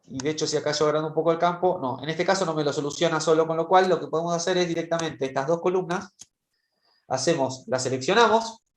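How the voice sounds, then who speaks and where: A teacher demonstrates a spreadsheet task over screen-share in an online class, pausing patiently to check on his students. He speaks quickly in a voice on the high side, with roomy echo around it.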